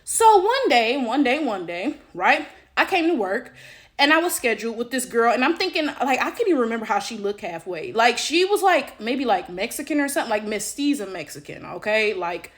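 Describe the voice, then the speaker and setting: High voiced woman, late 20s, sassy and blunt, talking opinions straight to camera. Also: sing-song, moderate pace. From Detroit, United States. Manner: emphatic, rhetorical, often checks in with "right?"; blunt, sassy, slangy, swearing. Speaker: social media commentator. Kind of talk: casual opinionated commentary to camera.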